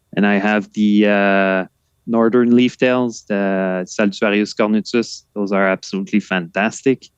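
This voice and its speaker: A man's fairly low, flat, monotone voice with a French accent, at a fairly slow pace, in a dry, close sound with no echo. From Quebec, Canada. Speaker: reptile keeper. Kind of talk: podcast interview. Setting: home room, remote call. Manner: hesitant, many fillers.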